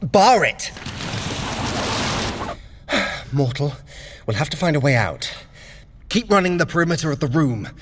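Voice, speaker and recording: Smug trickster god, sardonic, very lively pitch, audio drama. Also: male voice, noisy background. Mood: frantic. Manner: sardonic, teasing, quick-tongued.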